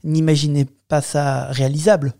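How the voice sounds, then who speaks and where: Mellow-voiced man chiming in. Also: on the high side, level tone, normal speed, creaky. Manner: interjects to add context and comments. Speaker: podcast co-host. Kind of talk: casual history chat.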